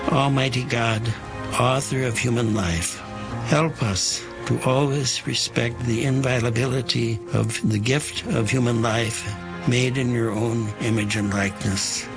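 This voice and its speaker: Cardinal reciting prayer, solemn and measured, clear music behind. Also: male voice, medium pitch. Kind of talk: recorded prayer.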